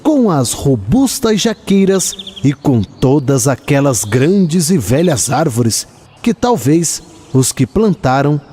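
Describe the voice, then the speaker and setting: A Brazilian man narrating a literary radio drama in a measured, expressive storytelling manner. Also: on the high side, slight background noise.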